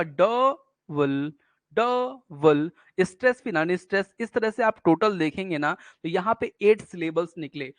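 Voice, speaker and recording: A man's voice: high voice, dry recording. A man teaching poetic meter in an exam-prep lesson, explaining step by step, asking questions and answering them himself. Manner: reads poetry lines slowly, syllable by syllable. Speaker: English literature teacher.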